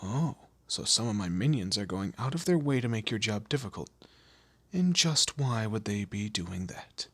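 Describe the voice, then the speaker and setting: A man playing a commanding, teasing demon lord in an audio roleplay, with a low gravelly, husky voice and an imperious, theatrical manner. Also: animated, moderate pace, a bit bright, no echo. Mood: probing, menacing. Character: male demon lord, commanding, menacing, teasing boss of hell. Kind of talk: scripted audio roleplay addressed to the listener.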